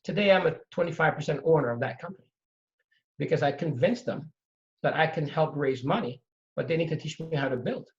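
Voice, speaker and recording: A middle-aged man from Trinidad and Tobago tells his story with lively emphasis. His voice sits a little high for a man. The audio is dull and lo-fi, as if the top end is gone. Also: a little fast. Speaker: real estate investor guest. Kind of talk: storytelling in conversation.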